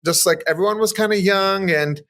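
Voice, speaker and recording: Chatty upbeat man with a fairly high voice. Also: brisk, fairly bright tone. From Southern California. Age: 30s. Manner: chatty, upbeat, with many "like" fillers. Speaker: guest, makeup artist. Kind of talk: casual interview chat.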